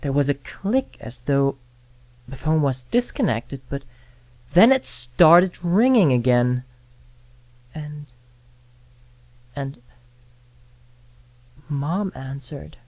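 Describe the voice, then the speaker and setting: A narrator reading a scripted first-person story in short phrases with frequent pauses. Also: medium pitch, expressive, a little mellow, no echo. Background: music with guitar and piano.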